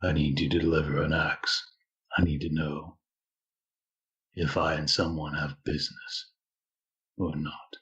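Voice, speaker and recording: A man does a put-on character voice that is gravelly and rumbling, very deep and low in pitch, with monotone, flat intonation, a moderate pace and long, frequent pauses. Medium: actual play. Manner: blunt, commanding.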